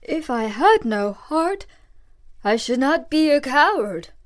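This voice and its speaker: Storybook cowardly male lion, sorrowful and plaintive, put on by a woman reader, slow delivery. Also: sits high, very animated, pitched above the performer's own voice, heavily acted. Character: big timid male lion, tearful and sorrowful.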